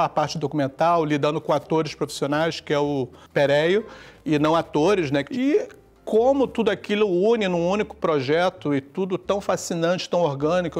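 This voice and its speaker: A man from Taiwan, a guest filmmaker and teacher, talking enthusiastically on a panel and repeating his points. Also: fairly high pitch. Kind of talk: casual panel talk.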